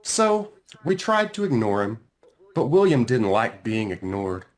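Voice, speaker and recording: Expressive male storybook reader, very animated pitch. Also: measured pace. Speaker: author reading own book aloud. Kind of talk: expressive children's storybook narration.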